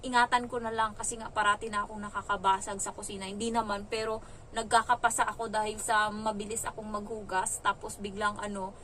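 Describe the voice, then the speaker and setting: A woman from the Philippines working as a domestic helper, telling a story casually on her vlog in an animated way and acting out the dialogue. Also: mid-range voice, slight background noise, low-quality recording. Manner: animated retelling with quoted dialogue.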